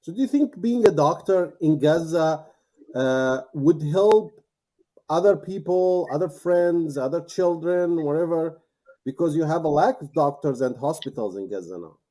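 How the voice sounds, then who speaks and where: A man interviewing a guest, encouraging and a little halting in English. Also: a little high, lively intonation, mellow, low-quality recording. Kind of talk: interview questions.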